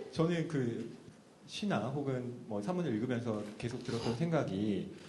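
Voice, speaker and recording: Noticeable background noise surrounds a man who talks very slowly. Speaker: event host. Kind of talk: live event hosting. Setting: stage with audience.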